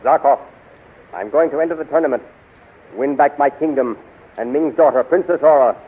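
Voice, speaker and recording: An actor playing a chivalrous, lovestruck warrior prince in a 1930s radio serial, earnest and formal, on a tinny old recording. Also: male voice, fairly high pitch, normal speed, slightly rough. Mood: resolute.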